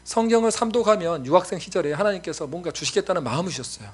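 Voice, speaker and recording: A man in his forties, a missionary preacher giving a sermon, telling stories with lively acted-out voices. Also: high voice, rapid-fire. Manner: animated storytelling, acts out voices.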